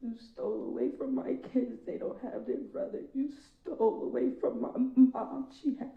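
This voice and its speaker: A woman's voice: on the high side, fairly even intonation, moderate pace, vocal fry, narrow, tinny audio. A middle-aged woman, a victim's mother, giving a raw, emotional impact statement in a courtroom and speaking straight to the defendant. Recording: echoey courtroom from far off.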